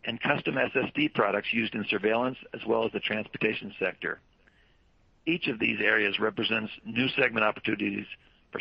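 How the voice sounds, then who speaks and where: A man presenting as a company executive, reading prepared earnings call remarks in a formal, measured way. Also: on the low side, vocal fry, breathy edge, no room sound, dull audio. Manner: formal, measured read-out delivery.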